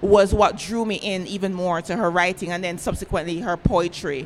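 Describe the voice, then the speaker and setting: The speaker has a Jamaican accent. The pace is moderate. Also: woman. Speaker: novelist. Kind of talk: live panel interview. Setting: stage with audience.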